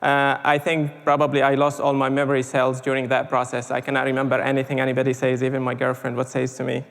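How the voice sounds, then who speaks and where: Man from syria, gravelly, flat delivery, halting, lecture hall reverb. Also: medium pitch. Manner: halting with many "uh"s and repeated words. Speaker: panel speaker. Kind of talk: conference talk.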